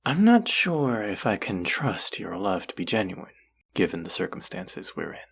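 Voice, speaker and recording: A man's voice: sing-song, moderate pace, fairly bright tone, heavily acted. A man voicing a possessive, seductive demon in an intimate audio roleplay, teasing and menacing, often dropping to a whisper. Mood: wry, probing. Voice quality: low, husky, gravelly. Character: possessive, seductive demon who craves human hearts.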